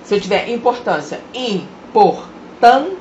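A woman teaching a grammar lesson, sounding out example words slowly and deliberately. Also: mid-range voice. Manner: slow, drawn-out pronunciation of example words. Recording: roomy, dull lo-fi recording with faint hiss.

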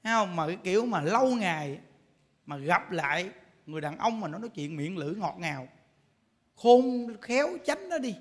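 A Buddhist monk delivers a sermon in a temple lecture hall, telling funny stories and laughing as he talks. His voice sits high and is very animated, at a moderate pace, and the hall adds a long reverb.

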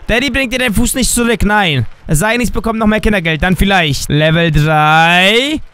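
Young male gaming YouTuber, high, smooth voice, dry from a cold, jokey let's-play commentary. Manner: excitable, jokey, switches between shouts and drawn-out slow words.

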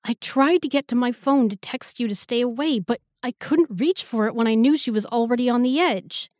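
A woman playing a guilt-ridden, protective girlfriend in an intimate audio roleplay, speaking haltingly and emotionally in a breathy, husky voice. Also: a little high, a little mellow, dry recording, studio quality, close to an everyday voice. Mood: angry, distraught. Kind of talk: intimate audio roleplay acting, spoken to the listener.

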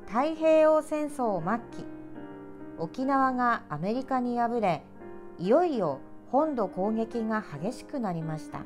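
A middle-aged woman presenter speaking to children in clear, polite, measured announcer diction, as in a picture-book read-aloud. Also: a little high, big pitch swings, music in the background. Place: small indoor room with sofa.

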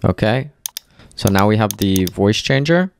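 A man narrating a step-by-step software tutorial as presenter, instructing clearly and methodically into a close mic. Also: fairly low pitch, lively intonation, a little slow, slight background noise.

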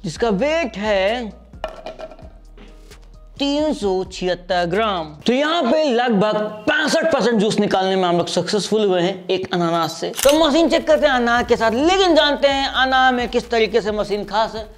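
A man's voice: very high voice, lively intonation, moderate pace, soft background music. A young man chatting casually while he reviews and demonstrates a hand-press juicer in a small studio, speaking into a lapel mic. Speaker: product reviewer. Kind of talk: casual product review vlog. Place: small indoor studio set with striped backdrop.

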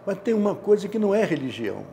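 Casting: man in his 70s, Rio accent, gravelly and mellow, casual storyteller in an interview. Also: high-pitched, very animated, quick pace, a little hiss or hum. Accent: Brazilian, Rio de Janeiro. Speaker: interview guest, theatre director. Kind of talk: casual anecdotal interview talk. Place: indoor studio, seated. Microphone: lapel.

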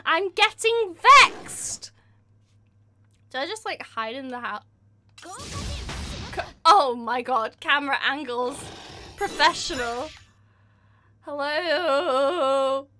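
A woman streaming a video game, excitable, often yelping and laughing as she comments on her play. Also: high voice, very slow, pauses often, slight background noise. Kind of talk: live gaming commentary.

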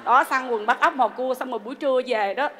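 A woman performing a live stage comedy sketch, exclaiming loudly and excitedly. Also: sits high, fast.

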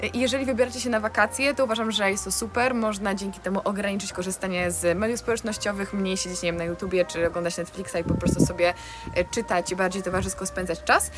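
Young woman doing a chatty house tour vlog, really gushing, medium pitch, faint music under it. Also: steady tone, fast talker. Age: young adult. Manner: enthusiastic, effusive. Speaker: vlogger giving a house tour. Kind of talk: casual spoken house tour to camera. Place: small stone house and outdoor terrace.

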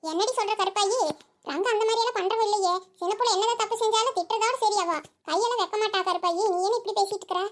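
Brief: a woman doing a high, quick, disbelieving cartoon village woman. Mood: doubtful. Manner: questioning, disbelieving. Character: doubtful village woman, questioning and defensive of her friend. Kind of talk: cartoon voice acting.

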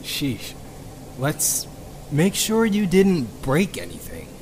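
Audio drama: gruff male physicist, grumbling and foul-mouthed, lightish pitch, unhurried delivery. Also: wildly swooping pitch, a little mellow, slight background noise, heavily acted. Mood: grudging concern. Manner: sarcastic, grumbling, sighing.

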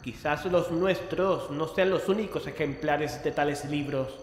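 An actor playing an uneasy investigator who tells a horror tale in a measured, literary, dramatic way. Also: male voice, on the high side, a little hiss or hum, lightly acted. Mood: puzzled, uneasy. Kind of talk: scripted first-person horror narration.

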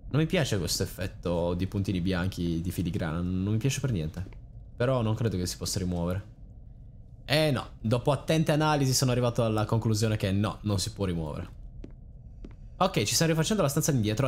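A man's voice: fairly low pitch, a little hiss or hum. A young man giving casual, rambling, joking let's play commentary with theatrical reactions. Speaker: gaming channel host.

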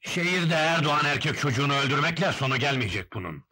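A man's voice: a little high, animated, fast, sharp tone, breathy edge, full character voice. An actor playing a ruthless, paranoid god-king, imperious and commanding, in an old historical film. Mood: agitated. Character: ruthless, paranoid male tyrant worshipped as a god.

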